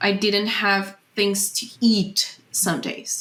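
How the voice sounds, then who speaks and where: A woman with a Brazilian Portuguese accent speaks at a medium pitch in a bright, sharp tone. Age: 30s. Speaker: former activist turned pro-life speaker. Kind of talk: interview testimony. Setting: podcast interview. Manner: halting, with fillers and self-corrections.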